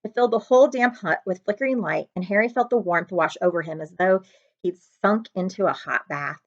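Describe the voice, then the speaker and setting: A woman's voice: medium pitch, brisk. Woman reading a storybook, slightly dull sound. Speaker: librarian reading aloud. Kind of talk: expressive storybook narration.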